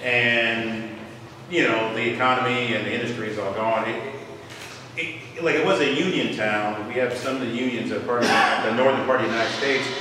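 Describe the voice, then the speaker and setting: A man speaks at a medium pitch with fairly even intonation, light background noise and strong room echo. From US Midwest, Mansfield, Ohio. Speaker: filmmaker and artist. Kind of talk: exhibition guided tour talk. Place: hall. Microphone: camera far.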